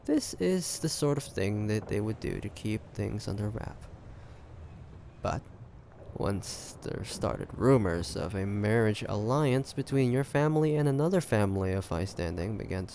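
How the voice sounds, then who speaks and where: A man playing an ambitious, shrewd pirate captain in an audio roleplay, taunting the listener in a deliberate, conspiratorial way. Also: lowish voice, sing-song, creaky, dark tone, slight background noise. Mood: smug probing. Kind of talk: roleplay audio drama monologue addressed to listener.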